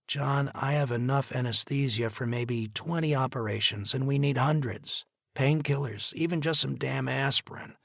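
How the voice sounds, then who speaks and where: A man voicing a weary male doctor who speaks in a tired, cold, measured way. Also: mid-range voice, vocal fry, a bit bright, no echo, clean studio sound, voice pushed up. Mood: grim.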